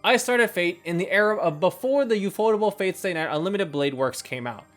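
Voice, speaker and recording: A video host narrating a scripted review in a measured, first-person commentary style. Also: mid-range voice, expressive. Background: background music.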